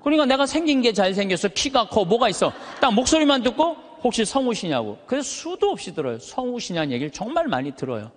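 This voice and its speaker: A man preaches as a Catholic priest in a high-pitched but full, thick voice. His delivery is very animated, swinging widely in pitch and stressing single words for effect. The sound rings with the long reverb of a large hall. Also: fast, hardly any pauses. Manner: emphatic, uses rhetorical questions and stretched words for effect. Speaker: Catholic priest giving a lecture. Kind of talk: animated motivational sermon to a live audience. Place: large hall, speaking to an audience.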